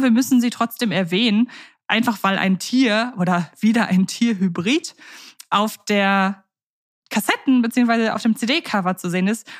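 A woman co-hosting a podcast, talking in a relaxed, thoughtful way with frequent fillers and restarts. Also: mid-range voice. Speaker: podcast co-host. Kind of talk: casual podcast chat.

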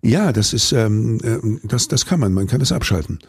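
An older man, an actor and voice actor, telling stories in an interview in a deep voice, rambling with restarts. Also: lively intonation, moderate pace, no room sound, clean studio sound. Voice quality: deep, gravelly. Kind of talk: interview answers.

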